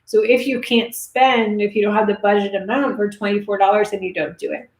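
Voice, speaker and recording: A woman in her thirties hosting a casual livestream, chatting and reading viewer comments, her voice going raspy. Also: medium pitch, steady tone, brisk. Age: 30s. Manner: chatty, reads viewer comments, many fillers. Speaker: livestream host answering money questions. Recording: roomy echo.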